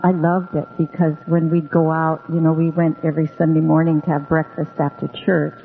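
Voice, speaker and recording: Low, gravelly, and fairly flat in pitch, this woman from Hawaii speaks Hawaiian as her first language. She's the guest storyteller in an easygoing radio interview, rambling slowly with frequent ums. Tinny phone-like audio, long reverb, and faint music color the recording.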